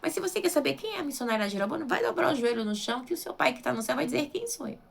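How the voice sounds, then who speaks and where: Her high, gravelly voice comes out rapid-fire and very animated as she delivers an informal Bible sermon. She's a missionary with a Brazilian Portuguese accent, conversational and emphatic, frequently checking in with listeners and asking rhetorical questions.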